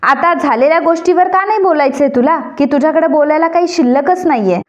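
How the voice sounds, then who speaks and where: A woman voicing a sharp-tongued woman who taunts with mocking questions. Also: sits high, fairly quick, lo-fi sound, voice pushed up, close to an everyday voice. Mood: taunting.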